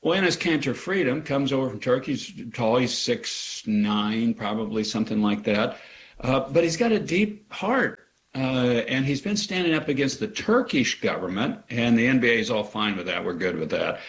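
A man's voice: animated, moderate pace. A man from Kansas, an author answering interview questions in an earnest way that turns emphatic. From Kansas, USA. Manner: earnest, grows emphatic with sharp pitch rises. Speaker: author guest.

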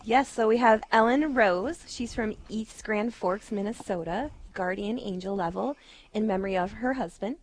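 A woman's voice: mid-range voice, normal speed. A woman co-hosting a radio fundraiser, reading out donors in an upbeat way and giggling often. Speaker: radio co-host. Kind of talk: reading donor names on air.

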